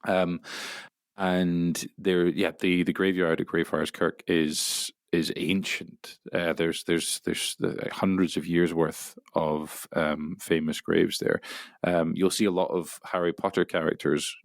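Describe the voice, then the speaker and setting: A man with a Scottish accent, a voice actor talking as a guest in a casual interview, explaining at length and often pausing to restart. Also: deep voice, little pitch movement, no echo, studio quality. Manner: rambling, explanatory, halting with many restarts.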